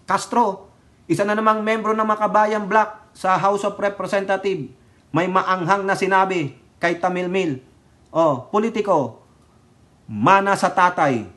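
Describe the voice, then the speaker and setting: A man's voice: sits high, a bit bright. A man with a Filipino accent, a political vlogger giving a heated, mocking rant full of rhetorical asides and insults. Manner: mixes English into speech, rhetorical asides. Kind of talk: ranting political commentary.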